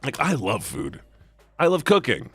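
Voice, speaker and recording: A man reading a visual novel aloud and joking between lines, with an animated manner that jumps high in pitch. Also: a little slow, husky, dry recording, soft background music. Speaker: game voice-over streamer.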